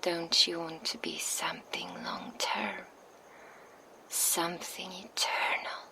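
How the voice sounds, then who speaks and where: A woman's voice: on the low side, big pitch swings, slow, bright, forceful tone, heavily acted, poor audio. A woman voicing a seductive, possessive female vampire in an ASMR roleplay, whispering close to a binaural microphone. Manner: intimate, purring whisper close to the ear.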